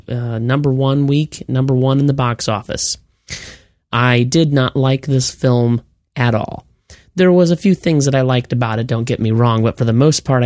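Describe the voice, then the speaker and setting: A man's voice: mid-range voice, dry recording, clean studio sound. A man hosting a weekly movie news podcast with a slightly froggy voice from a cold, giving blunt opinions and reading off box office numbers. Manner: reads figures in a steady list-like delivery. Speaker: podcast host.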